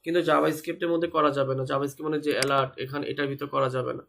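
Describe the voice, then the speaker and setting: Teaching web development in a live online coding class, a feverish young man goes step by step, repeating words and spelling out terms, and the fever slows his speech. His voice is a bit high and bright, steady in tone, rapid-fire, with vocal fry.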